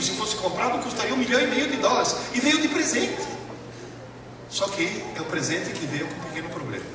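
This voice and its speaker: A man with an Italian accent lectures in a large hall, with Italian as his mother tongue. His high, lively voice jumps around as he jokes and asks the crowd questions. He is picked up from a distance, with long, booming reverb and steady background noise. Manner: animated, jokey, asks the audience questions. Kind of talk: live lecture to an audience. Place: large hall with a live audience. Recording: echoey hall from far off, noisy.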